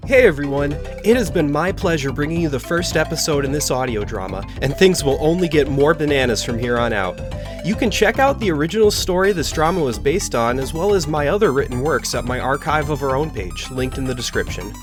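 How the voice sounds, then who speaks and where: A man delivers a scripted outro as the creator of an audio drama. His voice is slightly high and animated, with music clearly behind it. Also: fairly quick.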